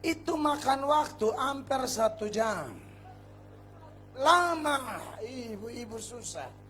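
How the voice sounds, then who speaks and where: A male pastor preaching a revival sermon, telling a personal story with hushed asides and sudden shouts. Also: very high-pitched. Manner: animated storytelling, acts out scenes, shifts between hushed and shouting. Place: large revival meeting.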